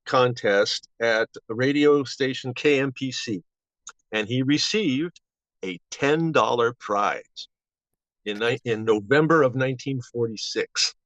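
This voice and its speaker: An elderly man in his seventies looks back casually as an interview guest. He talks in a halting, rambling way, restarting sentences. The recording is slightly dull and lo-fi, with hardly any room sound. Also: medium pitch, a bit bright, no echo. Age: 70s. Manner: halting, rambling with false starts. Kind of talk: casual reminiscing. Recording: dull, band-limited audio.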